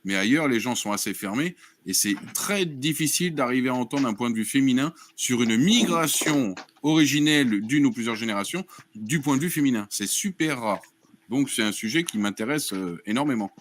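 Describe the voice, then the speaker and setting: A man moderating a casual group discussion in a measured way, inviting others to develop their views. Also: mid-range voice, expressive. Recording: faint background noise.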